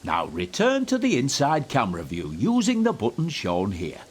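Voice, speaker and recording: A man's voice: medium pitch, wildly swooping pitch, normal speed, slight background noise. A man playing an encouraging, instructive narrator in a scripted children's train game tutorial. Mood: instructive, calm. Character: encouraging male tutorial narrator guiding young train drivers.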